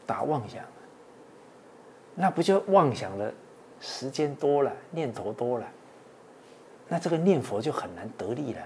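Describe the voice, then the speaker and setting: A man, a Buddhist monk, giving a dharma talk with many drawn-out "ah" and "oh" fillers, earnest and exhorting. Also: mid-range voice, sing-song, darkish tone, slight background noise.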